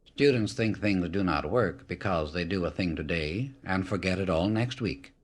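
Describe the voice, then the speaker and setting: A man reading a spiritual audiobook as scripted narration, in a solemn, measured, declarative way. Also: low voice, lively intonation.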